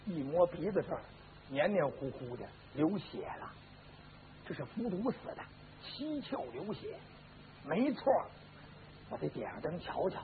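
A male storyteller voicing a crude, scheming young manservant who mutters low and slyly, on a lo-fi recording. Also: very animated, normal speed. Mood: startled. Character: [a man doing] a scheming young male servant, crude and sly. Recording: lo-fi phone-like band with faint hiss.

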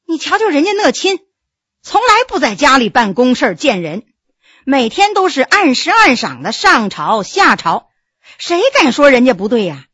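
A woman's voice: high-pitched, sing-song, normal speed, fairly bright tone, breathy edge, no echo, dull audio, heavily acted. A woman doing a coquettish young noble wife. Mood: coquettish, chiding. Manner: coquettish, scolding, chatty.

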